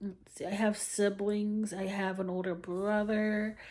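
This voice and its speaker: Speaking at a very slow pace, a woman with an American accent uses a medium pitch. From California. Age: 30s. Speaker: vlogger. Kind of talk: casual monologue. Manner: rambling, hesitant with fillers.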